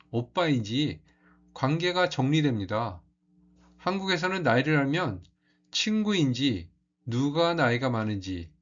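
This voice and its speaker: A man teaching as a language teacher, explaining culture in a calm, measured way. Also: mid-range voice, highs cut off.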